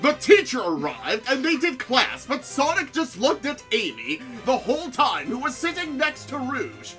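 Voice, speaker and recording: A woman's voice: high voice, sing-song, moderate pace, fairly bright tone, soft background music. A woman hosting a comedic dramatic reading, mixing narration with casual banter. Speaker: reader and host.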